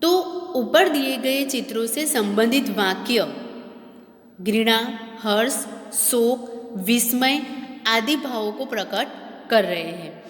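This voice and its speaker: A woman teacher explaining a grammar lesson to schoolchildren, slowly and deliberately, repeating definitions and speaking to the children directly. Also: on the high side. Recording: echoey room with long reverb.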